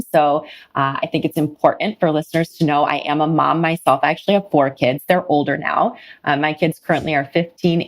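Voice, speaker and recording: A middle-aged woman speaking as an expert podcast guest, conversational, articulate and explanatory. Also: low voice. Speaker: child psychologist, podcast guest. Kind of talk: conversational interview, personal narration.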